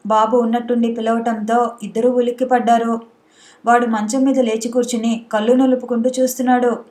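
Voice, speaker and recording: Woman reading a novel aloud, flat tone. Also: a little high. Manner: reads every role in one steady voice. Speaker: audiobook narrator. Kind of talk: scripted audiobook narration.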